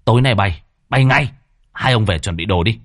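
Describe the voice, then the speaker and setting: A man's voice: lowish voice, normal speed, no room sound, studio quality, natural voice. A man voicing a stern young male exorcist who scolds and gives orders.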